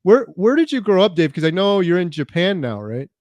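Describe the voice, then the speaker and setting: A man's voice: sits high, sing-song, fairly quick, darkish tone, no room sound, lo-fi sound. A man hosting a casual interview, asking easygoing, rambling questions that build on his guest's answers. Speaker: interview host.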